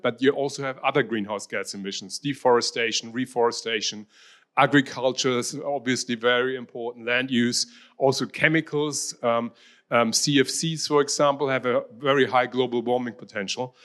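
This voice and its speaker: A middle-aged man from Germany gives a slide talk in a German-accented voice of ordinary pitch. He speaks with a hesitant, halting flow, often pausing on "um" and restarting his phrases. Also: fairly even intonation, fairly bright tone. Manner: hesitant, many ums and restarts. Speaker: university researcher.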